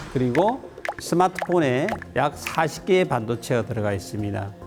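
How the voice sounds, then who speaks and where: Music plays behind a man with a Gyeongsang accent. His pitch swings very widely. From Korea, Gyeongsang region. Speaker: semiconductor professor, lecturer. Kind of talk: lecture on a TV show. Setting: TV studio recording.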